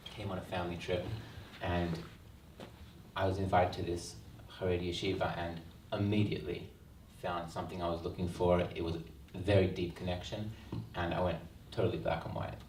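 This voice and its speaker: An Australian man in his thirties, an author speaking earnestly at a book launch, with many ums and pauses. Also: deep voice, flat delivery, a little mellow, slight background noise. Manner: earnest, reflective, frequent ums. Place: event hall. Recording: roomy hall sound, mic at a distance.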